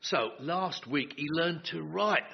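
An actor playing a shifty, breezy election fixer in a radio sitcom, casual and matter-of-fact. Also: male voice, fairly high pitch, lively intonation, takes it slowly, creaky, exaggerated voice. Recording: muffled radio comedy recording.

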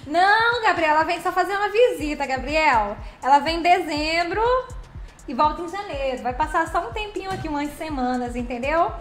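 A woman's voice: sits high, expressive, moderate pace, fairly bright tone. A woman hosting a casual live stream, greeting viewers by name with pet names and chatty affection. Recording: roomy echo with faint background music.

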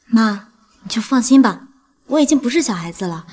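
An actress playing an affectionate, eager young adult daughter in a screen drama. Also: female voice, a little high, animated, a little fast, a little mellow, lightly acted. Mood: earnest.

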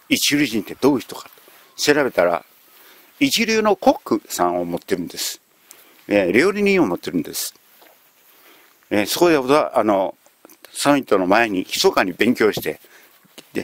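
A man telling a history lesson as a lively story, acting out the quotes along the way. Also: mid-range voice, dry recording. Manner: animated, acts out quotes. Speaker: history lecturer.

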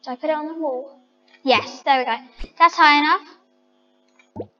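High-pitched girl thinking out loud while she decorates a game house, dull lo-fi sound with a long echo, faint music behind. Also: steady tone, a little slow. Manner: chatty, thinking aloud, talks to viewers as guys. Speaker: vlogger. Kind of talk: casual game commentary.

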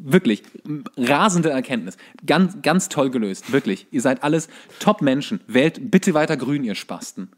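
A man's voice: mid-range voice, expressive, normal speed, few pauses. A man co-hosting a casual podcast, bantering and ranting in a sarcastic, sweary way. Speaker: podcast co-host.

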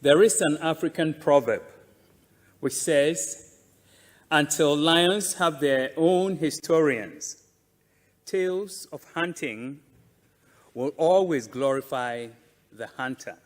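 A man delivers a formal, prepared address in a somewhat high voice. He speaks very slowly and deliberately, leaning on phrases between pauses, and his words ring with long reverb in a large hall. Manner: deliberate, measured, emphatic with pauses. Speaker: conference speaker presenting a museum.

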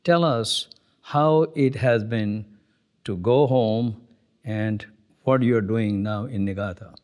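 An older man asking interview questions in a calm, measured way. His voice sits a little low. He is recorded indoors on a studio set. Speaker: interviewer, physiologist colleague. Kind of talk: oral history interview.

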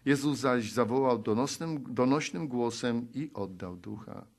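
In a gravelly voice at a measured pace, a Polish preacher pleads with and exhorts his listeners. He alternates loud appeals with hushed low stretches and reads passages of scripture aloud.

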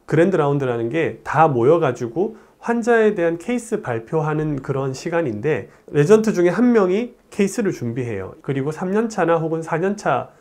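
Here a urologist in his forties explains something to camera, miked with a lapel clip in a plain studio. He speaks a little high at a moderate pace with few pauses, telling it like a chatty story while animatedly gesturing.

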